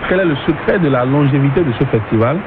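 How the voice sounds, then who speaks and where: A man's voice: mid-range voice, animated, fast, narrow, tinny audio. Through thin, slightly noisy shortwave reception comes a male radio interviewer, putting questions to a guest.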